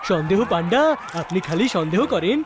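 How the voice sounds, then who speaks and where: Cheeky cartoon hero: extremely high pitch, rattling pace, teasing and quick-witted. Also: male voice, lively intonation, background noise. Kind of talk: cartoon dub acting.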